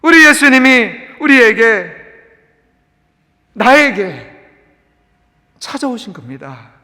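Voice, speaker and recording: A man preaching with a very high, bright voice that swoops up and down with lively energy. He is a pastor in the middle of a sermon, often slipping English words into his preaching. His voice rings with a long echo in a church sanctuary. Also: slow. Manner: animated preaching, mixing English words into the talk.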